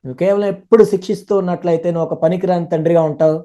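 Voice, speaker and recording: A man interprets a sermon live at a rapid clip. His tone is dark and mellow, and his pitch sits a little high for a man. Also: steady tone. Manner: rapid, fluent, running sentences together.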